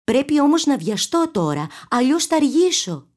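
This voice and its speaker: A high, eager little girl in a red hood from a storybook, put on by a woman reading aloud. Her thin voice jumps up well above an ordinary speaking voice and turns pleading. She is sweet, innocent and quick to worry. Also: big pitch swings, darkish tone. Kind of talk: storybook character voice.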